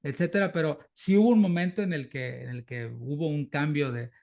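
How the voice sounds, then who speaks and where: A man with a Mexican Spanish accent and a slightly raised pitch talks things through as an interviewer. He speaks thoughtfully, restarting phrases and repeating words as he feels his way toward each point. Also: gravelly, darkish tone. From southern Mexico. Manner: thoughtful, halting, many false starts. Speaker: church interviewer. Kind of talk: conversational interview, reflective.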